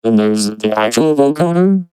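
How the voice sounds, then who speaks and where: A man's voice: mid-range voice, animated, normal speed, dark tone, smooth. A man talking through a metallic robotic vocoder effect, casually demoing a voice box as a streamer.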